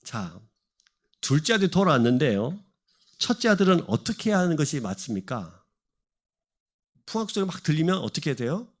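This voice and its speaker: A man's voice: a little high, big pitch swings, brisk, pauses often. A middle-aged man preaching a sermon to a congregation, asking them questions and answering them himself. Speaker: pastor. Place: church sanctuary.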